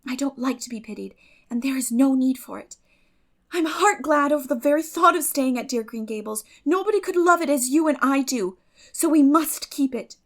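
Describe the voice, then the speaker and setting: A woman voicing a bright, determined, idealistic sixteen-year-old girl in a dramatic audiobook, eager, effusive and dreamy. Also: high voice, moderate pace, pitched above the performer's own voice. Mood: merry, firm. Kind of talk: dramatic audiobook reading of a classic novel.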